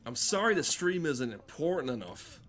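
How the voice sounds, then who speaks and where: Guy streaming a game, kinda high voice, rambly mock serious rants, swears a lot. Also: big pitch swings, moderate pace, a bit bright. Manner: foul-mouthed, mock-earnest ranting. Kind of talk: casual rambling livestream commentary.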